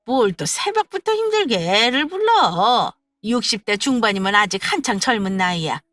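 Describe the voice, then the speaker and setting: A woman playing a shrill, nagging mother-in-law. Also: very animated, normal speed, a bit bright, no room sound, clean studio sound. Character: sharp-tongued older mother-in-law, petty and shrill.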